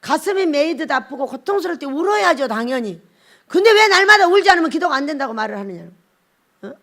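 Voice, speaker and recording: A woman's voice: high voice, sing-song, fast, a bit bright. A woman pastor giving a blunt, scolding sermon and acting out little scenes as she preaches.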